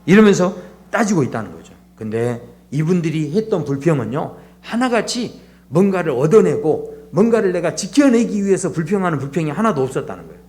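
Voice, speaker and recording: A male pastor preaching a sermon in a church, animated, dropping to a low hushed voice to act out prayers. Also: a little fast. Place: church sanctuary.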